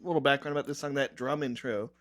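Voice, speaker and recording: A man's voice: mid-range voice, fairly even intonation, fast talker, fairly bright tone. A man chatting casually as a podcast panelist, often restarting and repeating his words as he goes. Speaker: podcast panelist discussing a metal album. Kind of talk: casual chat.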